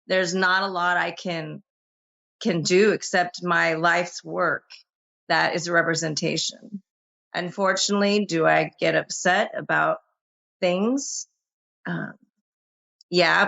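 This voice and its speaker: A woman's voice: fairly low pitch, gravelly, bright, forceful tone, dull audio. A woman on a talk show, answering criticism in a hesitant, defensive way.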